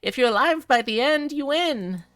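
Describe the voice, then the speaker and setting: A woman's voice: sits high, lively intonation, normal speed, fairly bright tone, dry recording, voice pushed up. A woman voicing a jittery, eager male mothman co-host in a visual novel game, nervously chipper.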